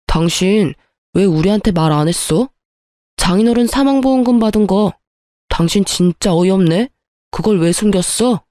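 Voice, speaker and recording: A bitter, grasping ex-husband who keeps accusing and defending himself, as a woman reader puts him on. The voice is mellow and low-key, and the recording is dry and close with no room sound. It is the dialogue of a read-aloud story. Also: normal speed, no echo, natural voice. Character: bitter greedy ex-husband, adult man. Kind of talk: storybook narration with acted dialogue.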